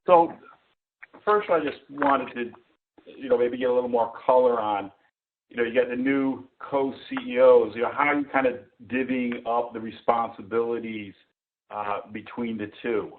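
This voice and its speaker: A male analyst with a medium-pitched voice puts questions on an earnings call. His phrasing is hesitant and conversational, and the sound is a narrow phone line. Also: fairly even intonation, normal speed. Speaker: financial analyst.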